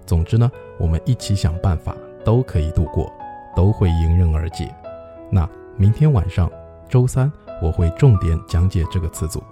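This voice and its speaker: A man hosting a radio-style English pronunciation lesson, patiently explaining and modeling phrases in slow, drawn-out repetitions. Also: sits low, expressive, music in the background. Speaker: English teacher and show host.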